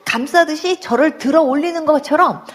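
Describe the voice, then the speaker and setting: A woman giving an emotional religious testimony, telling her story with animated storytelling and acting out her own past words. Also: high voice, a little fast. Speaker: church testimony speaker.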